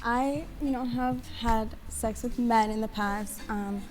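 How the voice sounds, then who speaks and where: A woman's voice: fairly high pitch, steady tone, slow. A twenty-year-old woman on a dating show, talking openly and hesitantly with many ums. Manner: hesitant, full of ums and likes. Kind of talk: casual open talk on camera.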